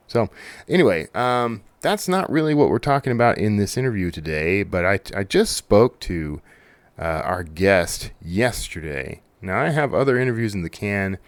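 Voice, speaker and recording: Deep-voiced man hosting a podcast. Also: no echo. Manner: rambling, conversational, with asides. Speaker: podcast host; author. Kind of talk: casual solo podcast monologue.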